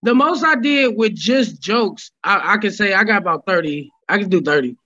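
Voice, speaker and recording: A man, a stand-up comedian, chatting casually on a podcast in a relaxed, slangy way. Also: high voice, normal speed, no echo. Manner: relaxed slangy storytelling, laughs often. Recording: slightly dull lo-fi sound.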